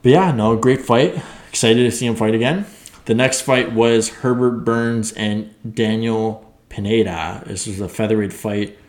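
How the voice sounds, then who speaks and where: A young man casually recapping fights as a podcast host, rambling and excitable, swearing now and then. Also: fairly low pitch, measured pace. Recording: echoey room.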